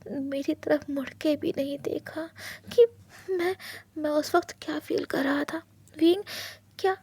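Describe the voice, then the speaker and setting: A woman voicing an anguished young husband who fears being left, in whispered role-play, halting and pleading. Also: high voice, darkish tone. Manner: pleading, halting, repeats words. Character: anguished young husband, clingy and afraid of abandonment.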